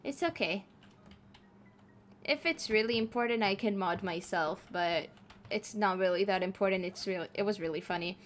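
A woman's voice: medium pitch, moderate pace, a little hiss or hum. A woman streaming live as a VTuber, chatting casually with her chat while playing a game, giggling often and swearing freely.

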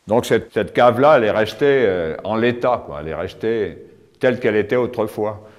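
An older man giving a casual tour of his cave home, talking with many pauses and fillers, recorded on a camera mic as he moves around. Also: on the low side, expressive. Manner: hesitant, many fillers and restarts. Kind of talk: casual spoken house tour. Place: inside stone cave rooms and outdoors by cliffs.

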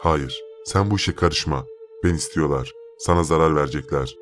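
A man's voice: extremely low pitch, normal speed, faint music behind. A man voicing a frail, frightened young woman possessed by jinn, speaking wearily and pleading. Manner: pleading, weary.

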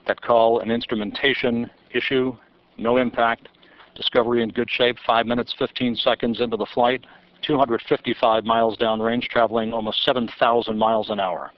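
A man calls a rocket launch live, reading out times, altitudes and speeds in a steady, measured delivery. His voice sits in a middle pitch. The broadcast audio sounds somewhat dull and muffled. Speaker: launch commentator. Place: mission control.

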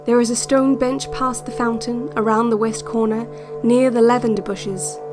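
An actress playing a calm, controlling narrator of a relaxation cassette in an audio drama, speaking in measured, deliberate phrases. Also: female voice, fairly high pitch, lightly acted. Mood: calm, instructive. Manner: measured, hushed guidance with deliberate pauses. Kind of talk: scripted guided-visualisation audio drama. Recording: voice over loud ambient music. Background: ambient new-age music.

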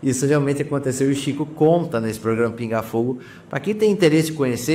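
A man's voice: fairly high pitch, a little mellow, echoey room, a little hiss or hum. A man, hosting a channel and narrating a documentary casually, speaking straight to his viewers. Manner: conversational, addresses viewers directly. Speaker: channel host.

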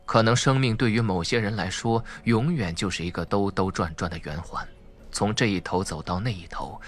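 A man's voice: fairly low pitch, fairly bright tone. A man with a Mainland Chinese Mandarin accent narrating a suspense audiobook in a theatrical, dramatic way. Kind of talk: dramatic scripted narration of a crime thriller.

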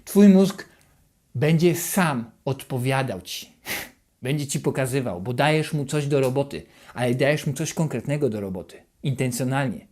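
A self-help channel host giving a motivational talk to the viewer, animated and repetitive, dropping into a hushed, anxious voice to act out inner thoughts. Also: mid-range voice, moderate pace. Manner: repeats and rephrases questions over and over.

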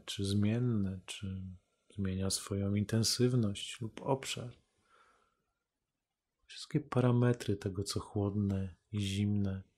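A man leading a guided meditation as a teacher, calm and unhurried, speaking in measured phrases with long pauses. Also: lowish voice, slightly rough.

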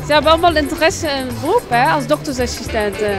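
A woman's voice: high voice, lively intonation, fast. A woman in her thirties chatting casually in an interview about her work as a medical assistant. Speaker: doctor's assistant. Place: busy event hall. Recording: crowd and music behind.

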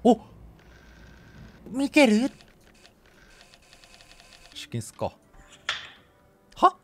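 A young man commentating live on a horror game in rough casual speech, blurting exclamations and sarcastic quips. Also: very high-pitched, wildly swooping pitch, very slow, soft background music. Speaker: game streamer. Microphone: desk streaming mic, indoors.

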